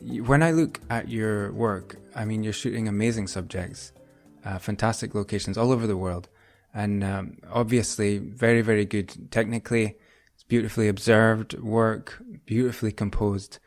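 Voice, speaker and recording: A man's voice: lowish voice, steady tone, normal speed, no echo, faint music behind. A man hosting a podcast, enthusiastic, with fillers and some hesitation. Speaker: podcast host. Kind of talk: podcast intro and interviewing.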